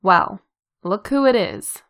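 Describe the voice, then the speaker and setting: A woman's voice: medium pitch, animated, slow pace, fairly bright tone. Woman voicing a slurring, cocky drunk woman. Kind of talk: fan fiction read aloud.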